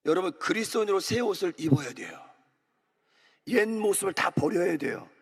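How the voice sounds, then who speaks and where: A man's voice: sits high, big pitch swings, fairly quick, vocal fry, husky. A man preaching an early morning sermon as pastor, exhorting the congregation and calling for amens and repeated phrases. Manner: exhorting, calls for amen and repetition. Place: large church sanctuary. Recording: long church hall reverb.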